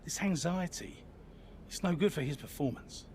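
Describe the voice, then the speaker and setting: An actor playing a firm, commanding racing team boss in a video game cutscene. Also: male voice, on the high side, normal speed, darkish tone, slight background noise, natural voice.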